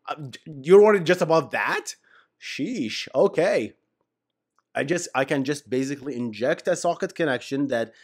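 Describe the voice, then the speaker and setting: Tech YouTuber, male, Arabic accent, lively pitch, casual riffing that trails off to mutters. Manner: animated, chuckling asides, drops to mumbles.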